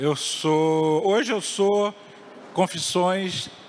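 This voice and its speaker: Here a man speaks with ordinary pitch variation. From Rio de Janeiro, Brazil. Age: 60s. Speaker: moderator, filmmaker and author. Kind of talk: panel discussion.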